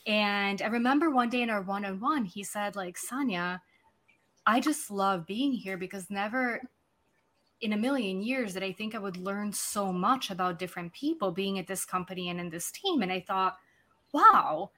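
Woman, 40s, guest on a business podcast, lively storyteller, mid-pitched voice. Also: normal speed. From Serbia. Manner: animated storyteller, laughs easily, many fillers. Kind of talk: conversational business talk.

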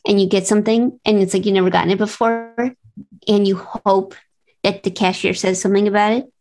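A woman hosting a comedy game-show podcast, chatting in a lively storytelling way. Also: medium pitch, a little fast, faint music behind. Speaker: podcast host. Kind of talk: casual chat.

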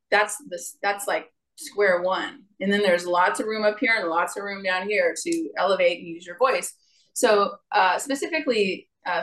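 Animated woman vocal coach. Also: rough recording. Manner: animated, jumps into playful higher voices to demonstrate. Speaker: singer and vocal coach, guest. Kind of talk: conversational interview.

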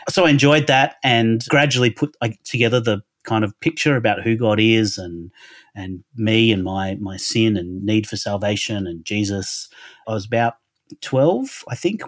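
A middle-aged man with an Australian accent talks through his answers at a thoughtful pace, often backing up to restart a phrase. His voice sits fairly low. The recording is dry and close, with no room sound. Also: dry recording. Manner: thoughtful, restarts phrases, lists words in a row. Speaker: podcast guest, Anglican minister. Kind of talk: casual interview talk.

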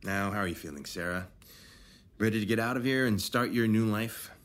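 A man's voice: fairly low pitch, brisk, a bit bright, close to an everyday voice. A man playing an affable but needling government interviewer in an audio drama, chatty and patronizing. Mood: officious friendliness.

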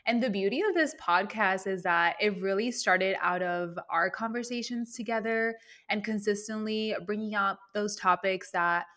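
A woman from Venezuela with Spanish as her first language co-hosts a lifestyle podcast. She talks in an upbeat, chatty way at a middle pitch. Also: normal speed, few pauses, a bit bright. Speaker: podcast co-host. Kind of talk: casual chat.

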